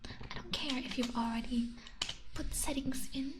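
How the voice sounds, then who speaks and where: A woman playing a condescending, suspicious AI age-checker that feigns friendliness, whispering haltingly in an ASMR roleplay. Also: sits high, very noisy. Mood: officious.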